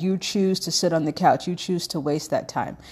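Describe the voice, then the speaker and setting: This woman's voice sits at a fairly low pitch. The recording is very clean, with a silent background. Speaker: nutrition and stress coach podcaster. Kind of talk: solo podcast monologue. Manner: relaxed tone with passion and energy.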